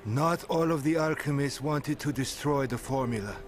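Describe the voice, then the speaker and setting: A man's voice: medium pitch, normal speed, over music, close to an everyday voice. A male actor playing a stern, resolute armed man guarding a secret in a motion-comic thriller, firm and commanding. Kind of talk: dramatic motion-comic voice acting.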